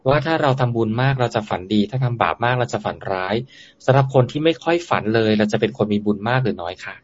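A man's voice: mid-range voice, lively intonation, fast talker, dull audio. A man moderator who names each sender and plainly reads out listener questions to the monk. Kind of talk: reading questions aloud.

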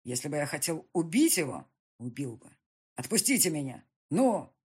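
Woman doing a hoarse, hard colonel. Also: low voice, sing-song, moderate pace, darkish tone, heavily acted. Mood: curt. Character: hardened, violent male colonel.

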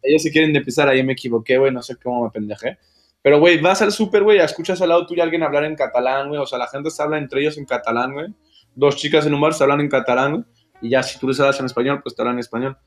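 A man's voice: medium pitch, steady tone, very fast, faint music behind. A young adult man with a Mexican accent, co-hosting a casual podcast chat, slangy and dropping English phrases. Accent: Mexican Spanish. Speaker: podcast co-host.

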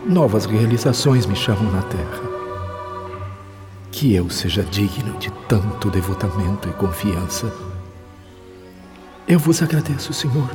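Reverent spirit in deep reverb. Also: male voice. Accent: Brazilian. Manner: reverent, pleading, formal. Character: devout, humble male spirit praying before rebirth. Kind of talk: solemn radio drama acting. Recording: long reverb, loud music behind. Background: music.

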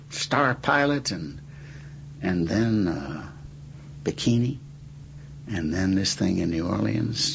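A man's voice: fairly low pitch, vocal fry. A man giving an unscripted interview recollection, reflective and hesitant as he searches for words. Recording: dull, noisy archive interview recording.

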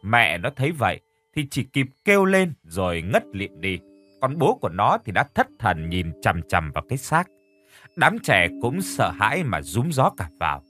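A man narrating a horror audio story in a steady storytelling manner, acting out the characters' lines. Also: medium pitch.

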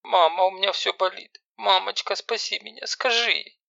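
A man voicing a young woman who is sick, tearful and pleading, raising his voice high into a whimper. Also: steady tone, normal speed, vocal fry, pushed and bright, no room sound, heavily acted. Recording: dull lo-fi recording.

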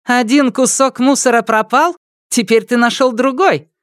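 A man voicing a spoiled, furious rich teenage girl in an audiobook, shrill, mocking and scornful. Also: sing-song, moderate pace, no echo, clean studio sound. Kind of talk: audiobook character voice.

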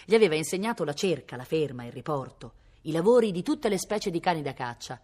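A woman's voice: sits low, sing-song, quick pace, darkish tone. A woman reading a novel aloud expressively, now and then mimicking animal sounds. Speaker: reader. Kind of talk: read-aloud novel narration.

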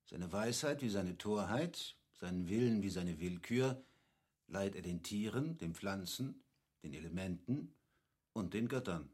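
Educated polite captain guy, slightly rough husky voice, formal and patient, classic radio play. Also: low voice, animated, a little mellow, full character voice. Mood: grave. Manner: measured, didactic, formal. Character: learned, courteous captain patiently explaining, a cultivated man.

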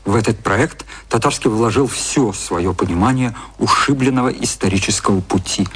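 A man narrating a literary radio play in a measured storytelling style. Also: on the low side, a bit bright, slight background noise, natural voice.

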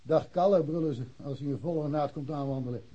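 A man's voice: a little high, fast talker, warm tone, husky. An actor playing a jovial, familiar local policeman in a radio drama, talkative and folksy. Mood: chatty. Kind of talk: naturalistic Dutch radio drama acting. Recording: muffled, dull radio drama recording.

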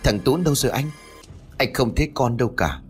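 A man's voice: medium pitch, lively intonation, a little fast, faint music behind, lightly acted. A man voicing an anxious young mother who calls out urgently in a storybook reading. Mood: frantic. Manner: urgent, near shouting. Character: anxious young mother searching for her child.

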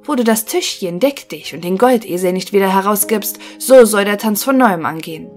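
A woman's voice: medium pitch, lively intonation, moderate pace, soft background music, natural voice. A woman voicing a proud young male turner in a fairy tale audiobook, speaking firmly and confidently. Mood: stern.

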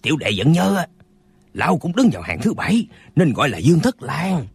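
A man plays a pompous old swordsman who explains nonsense as if it were deep learning, his voice lively and a little rough. The sound is dry and close. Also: brisk, dry recording, heavily acted. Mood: pleased with himself. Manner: smug, lecturing. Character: self-satisfied old male martial eccentric, pompous.

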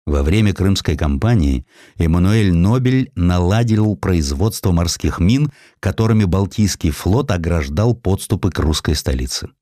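A man's voice: low-pitched, expressive, moderate pace, warm tone, dry recording, studio quality. A man narrating historical sketches as a scripted audiobook, in a theatrical storytelling manner that addresses the listener.

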